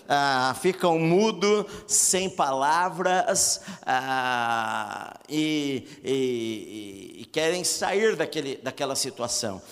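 A man's voice: on the high side, a bit bright, big-room sound. A man preaching a sermon on marriage, earnest and repetitive, with many filler sounds between phrases. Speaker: pastor.

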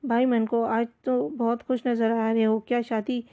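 A woman's voice: fairly high pitch, flat delivery, dark tone, dull audio, close to an everyday voice. Fields: Figure: nosy teasing white fox, read by a woman. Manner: prying.

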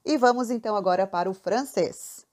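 A woman's voice: mid-range voice, a little fast, a little mellow. Chatty woman hosting a podcast. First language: Portuguese. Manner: chatty, addresses the listener directly. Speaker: podcast host. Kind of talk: casual language-learning podcast talk.

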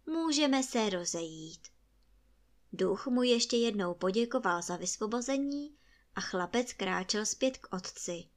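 A woman calmly reading a fairy tale aloud as a storyteller. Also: mid-range voice. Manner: calm, even storytelling.

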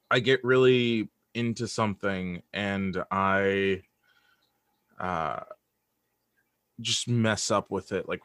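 A man's voice: sits low, fairly bright tone, no echo, studio quality. A man being interviewed as a guest, speaking casually and reflectively in a hesitant, self-deprecating way. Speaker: interview guest, audio drama writer.

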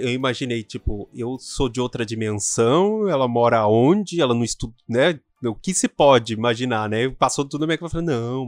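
A Brazilian man talks through his podcast in a loose, animated monologue, often checking in with the listener. His voice sits in an ordinary middle pitch. Faint music plays quietly behind him. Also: no room sound. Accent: Brazilian Portuguese. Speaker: sex coach and podcast host.

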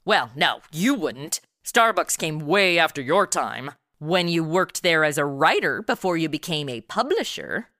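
Woman playing bright, sassy young American detective. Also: deep voice, sing-song, a little slow, few pauses, no echo, studio quality, heavily acted. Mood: probing. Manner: sassy, slangy, theatrical. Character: brash modern twenty-something girl turned amateur radio detective. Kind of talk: comedy audio drama acting.

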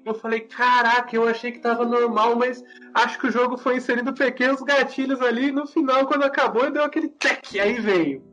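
A man telling a story in casual podcast chat, animated and expressive, repeating words for emphasis. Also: very high voice, a little fast, hardly any pauses, faint music behind, low-quality recording.

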